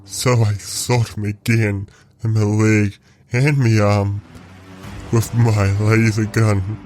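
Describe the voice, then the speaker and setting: A man playing a vengeful clone villain in an audio roleplay, telling his story in a deliberate, gloating, theatrical way. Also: on the low side, level tone, a little mellow. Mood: cold, vengeful. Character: vengeful male clone villain plotting to destroy a reality. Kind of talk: scripted audio roleplay monologue. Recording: music behind the voice.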